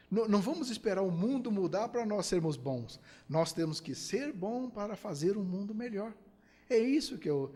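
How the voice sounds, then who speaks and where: A man's voice: high-pitched, a little mellow, big-room sound. A man from Brazil giving a spiritist lecture, asking rhetorical questions and acting out quoted dialogue.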